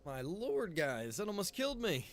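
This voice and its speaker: A man's voice: sits high, very animated, normal speed. A man giving casual livestream game commentary, with mild exclamations and joking asides to his viewers. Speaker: livestream gamer. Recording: clear background noise.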